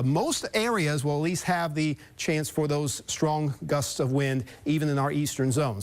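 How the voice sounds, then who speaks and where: A man forecasting the weather live on TV in wordy, halting, circling phrases. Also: medium pitch.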